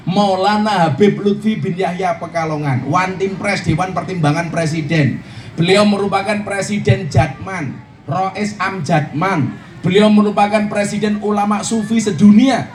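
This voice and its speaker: Man, preacher, high voice, jokey sermon, echoey and distant, crowd noise behind. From Indonesia. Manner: jokey, animated, mimics regional dialects, frequent shouts. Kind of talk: humorous religious sermon to a crowd. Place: outdoor religious gathering. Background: audience murmur and ambience.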